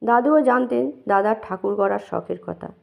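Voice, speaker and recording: A woman narrating a first-person memoir in a calm, measured and reflective way. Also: medium pitch, vocal fry. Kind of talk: memoir reading. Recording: dull lo-fi recording.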